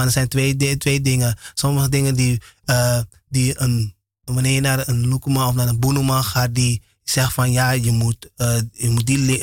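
A man's voice: medium pitch, no room sound, clean studio sound. A man, talking about faith on Christian radio and often stumbling and repeating words.

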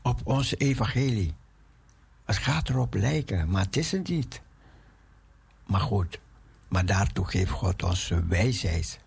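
A man preaching a sermon in a halting way, often repeating his phrases. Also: lowish voice, animated, creaky, a little mellow, slightly rough.

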